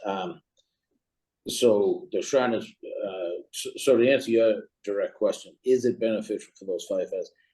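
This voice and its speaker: A man with a Boston accent at a moderate pace, music in the background. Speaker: firefighter foundation director. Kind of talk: Q&A answer in webinar. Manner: halting, many fillers.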